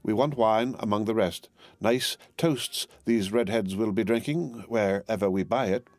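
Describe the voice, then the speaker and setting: A man voicing a fussy, fiercely loyal middle-aged woman servant who talks brisk and emphatic. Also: fairly low pitch, darkish tone, no echo, natural voice.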